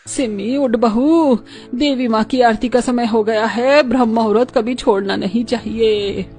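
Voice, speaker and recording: A woman's voice: a little high, steady tone, a little slow, a little mellow, faint music behind, close to an everyday voice. A woman doing a strict, scolding mother-in-law. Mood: stern scolding. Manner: scolding, stern.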